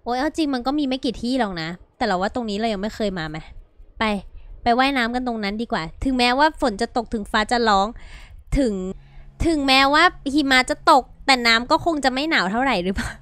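A woman hosting a casual gameplay video, chatty and playful, talking straight to her viewers with quick exclamations. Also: a little high, fairly bright tone, no echo. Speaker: gaming video host. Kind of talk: casual let's-play commentary.

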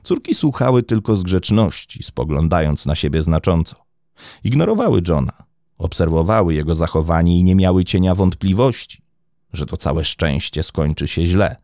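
Man, deep voice, lively pitch, dramatic scripted narration, dry booth. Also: no echo. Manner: measured, dramatic storytelling. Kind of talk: scripted true-crime narration.

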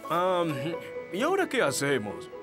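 A man's voice: high-pitched, wildly swooping pitch, unhurried, full character voice. A man with a Latin American Spanish accent voicing a fussy, proud, good-natured elf father in a children's cartoon dub, with music underneath. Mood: polite, measured.

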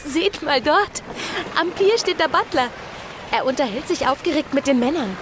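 A woman's voice: high voice, animated, normal speed, background noise. An actress playing a plucky, loyal and cheeky girl in an audio drama.

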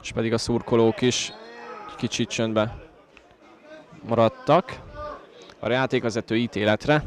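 A Hungarian man gives conversational live football commentary in a mid-pitched voice. He is recorded outdoors at a stadium, with clear crowd noise behind him. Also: steady tone. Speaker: football commentator for the home team.

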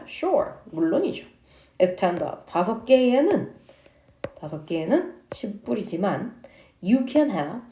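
Woman teaching English, lively voice. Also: a little high, reverberant. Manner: reads English lines slowly, explains each in Korean. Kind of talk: English lesson, reading and translating dialogues.

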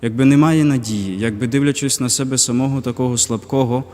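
A young man, a deacon, giving a reflective personal faith testimony in a halting way, pausing often. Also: medium pitch, fairly even intonation, a little mellow, long reverb tail. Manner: reflective, halting, with pauses and fillers. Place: cathedral parish.

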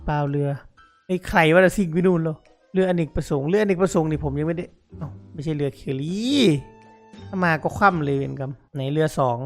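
Guy yelling and laughing through a boat racing game, highish voice, little music going behind. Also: quick pace. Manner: excitable, exclaims and laughs often, addresses viewers. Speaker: gaming YouTuber. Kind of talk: excited game commentary.

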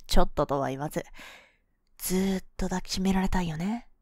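A woman voicing a cool, boyish young woman, a possessive and sweetly manipulative lover, in an ASMR role-play of intimate pillow talk, soft, breathy and coaxing, close to the microphone. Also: lowish voice, fairly quick, dry recording, close to an everyday voice. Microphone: close microphone, dry.

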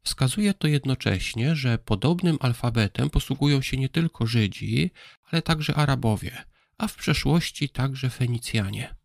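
Male presenter, gravelly mid-pitched voice, calm scripted explainer, dry close sound. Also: no echo. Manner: calm explanatory, spells out letters slowly. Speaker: presenter of a Bible history program. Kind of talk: scripted educational narration.

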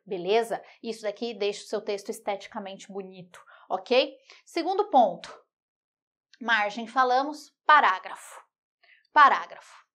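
Lively, teasing woman teacher. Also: a little high. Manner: lively, teasing, talks straight to the student with rhetorical questions. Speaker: Portuguese writing teacher. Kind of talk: online video lesson.

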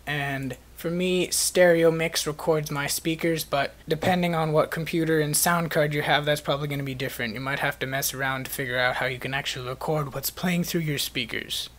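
A man with a slightly higher-pitched voice narrates a software tutorial. He presents it as a step-by-step instructional screencast. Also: steady tone, fairly quick, hardly any pauses.

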